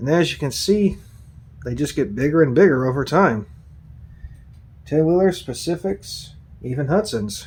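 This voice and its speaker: A somewhat breathy man at a moderate pace, with lively intonation and long, frequent pauses. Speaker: railfan YouTuber. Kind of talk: casual book review. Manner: halting, self-correcting.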